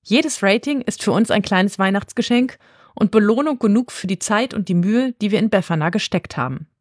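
Brief: female podcast narrator, clear and even storytelling, dry studio recording. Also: mid-range voice, moderate pace, no room sound.

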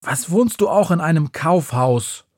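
A man's voice: expressive, a little slow, slightly rough, no room sound, studio quality. A man voicing a bossy, scolding little witch who hisses and nags at her brother. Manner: hissing, scolding, shrill.

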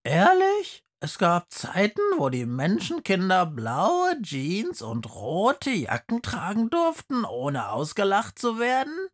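A narrator voicing a young female polar bear pupil who asks high, astonished questions in an audiobook. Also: huge pitch swings, takes it slowly, hardly any pauses, heavily acted. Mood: amazed.

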